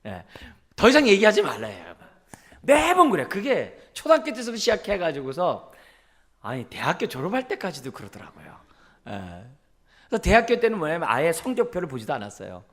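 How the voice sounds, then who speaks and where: A middle-aged man, the pastor, preaching a sermon in a church and acting out quoted parents and children. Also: on the high side. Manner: animated, acts out quoted parents and son; calls himself quick-tempered.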